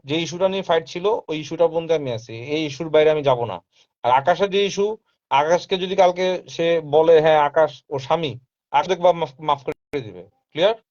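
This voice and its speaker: A man talks at length in a firm, insistent way, repeating himself and slipping English phrases into his speech. His voice sits slightly high for a man. The recording is dull and lo-fi. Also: a little mellow. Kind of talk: casual live talk. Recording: dull lo-fi sound.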